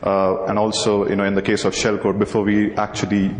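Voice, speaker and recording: A man's voice: on the low side, monotone, fairly quick. A young man with an Indian accent giving a technical conference talk in a large hall at a podium mic, full of hesitant fillers. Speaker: conference presenter. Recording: echoey hall, faint noise.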